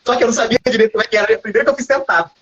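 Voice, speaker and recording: A man with a Brazilian Portuguese accent tells a story as an interview guest, animated, acting out quoted dialogue and often adding tag questions. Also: sits high, racing, breathy edge, lo-fi sound. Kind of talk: casual storytelling in a livestream interview.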